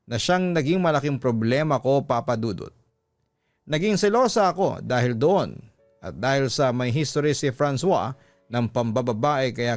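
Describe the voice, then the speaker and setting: A man with a Filipino accent reads a love-story letter as a radio storyteller, in a deliberate, expressive dramatic style. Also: mid-range voice, no echo. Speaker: radio storyteller and host reading a listener's letter. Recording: music bed behind close dry voice. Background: background music.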